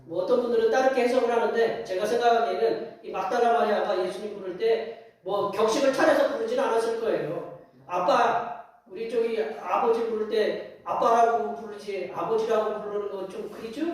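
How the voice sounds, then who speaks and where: A man's voice: high voice, brisk. A man preaching as pastor in a folksy storytelling sermon, acting out scenes and asking the congregation questions. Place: church sanctuary. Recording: very echoey hall, distant mic.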